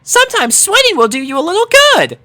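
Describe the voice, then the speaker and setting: Squeaky, exuberant teenage girl. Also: big pitch swings, quick pace, bright, forceful tone, exaggerated voice. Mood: cheerful. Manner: exuberant, oblivious. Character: hyperactive, loud, cheerful teenage girl.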